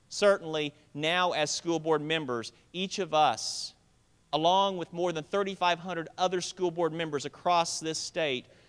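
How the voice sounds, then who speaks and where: With a slight South Missouri accent, a man speaks fairly slowly at a high pitch with fairly even intonation in a very clean recording with a silent background. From rural southern Missouri, US. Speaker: school board association president. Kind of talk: formal speech. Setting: conference hall with audience. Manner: formal.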